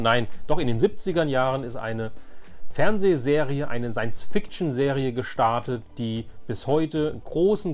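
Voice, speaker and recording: A man's voice: medium pitch, darkish tone. Male collector-host, mid-range voice, informal and keen, talkative show-and-tell delivery over faint background music. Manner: chatty, enthusiastic, self-correcting. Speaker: host of a vintage toy collecting channel. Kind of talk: casual show-and-tell chat.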